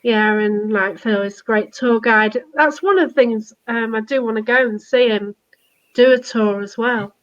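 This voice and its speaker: A woman's voice: fairly high pitch, normal speed. A woman hosting a casual live chat, enthusiastic and chatty, often ending on tag questions. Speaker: host taking viewer questions. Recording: dull, lo-fi audio.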